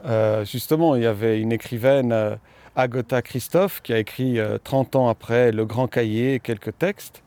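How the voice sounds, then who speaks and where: This Romanian author, interviewed conversationally while walking outside, has a light Swiss French accent with a hint of something hard to place. His mid-range voice is dark in tone and moves at normal speed, with no room sound, and he answers thoughtfully and hesitantly, full of fillers.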